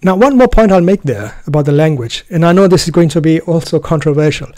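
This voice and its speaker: A man whose first language is Urdu gives an earnest, deliberate solo talk about his method of study, often restarting phrases to stress a point. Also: a little high, lively intonation, a little mellow, no echo, clean studio sound. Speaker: Quran student presenting his method.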